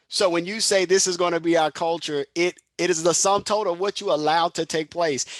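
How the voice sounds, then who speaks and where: A man speaks quite quickly in a Southern US accent, with hardly any pauses. His voice is high and his intonation fairly even. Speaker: music education host. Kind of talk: panel discussion. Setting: video call.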